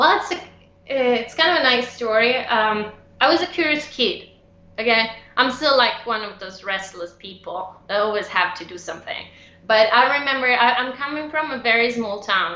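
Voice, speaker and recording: A woman with an Italian accent speaks at a high pitch with lively intonation and big swings in loudness, and the room echo is audible. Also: moderate pace. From northeast Italy, near Venice. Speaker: classical guitarist and teacher. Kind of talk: interview.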